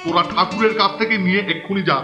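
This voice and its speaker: Guy doing a high pitched fussy older hostel boss in a kids cartoon, blustery, says stuff twice, music behind. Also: fairly even intonation, racing, lightly acted. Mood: stern, scolding. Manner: repeats phrases, blustering, exclamatory. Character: fussy, scolding older male boarding-school superintendent, easily fooled. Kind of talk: children's cartoon voice acting.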